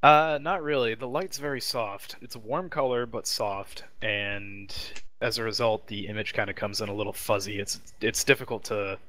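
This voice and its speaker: A man narrating a tabletop role-playing game as game master, improvising haltingly as he searches for words. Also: lowish voice, sharp tone.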